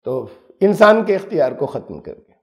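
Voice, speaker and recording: A man's voice: high voice, big pitch swings. A man giving an emphatic, explanatory religious lesson on scripture. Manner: explanatory, emphatic, uses everyday examples. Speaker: Quran teacher.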